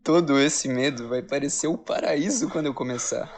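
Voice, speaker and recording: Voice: medium pitch, normal speed, natural voice. An actor voicing a sadistic, gloating villain with a Brazilian accent, theatrical and menacing, in an audio drama. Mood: gloating menace. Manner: theatrical, menacing, laughing between threats. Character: sadistic, gloating villain threatening madness and death. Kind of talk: audio drama trailer monologue.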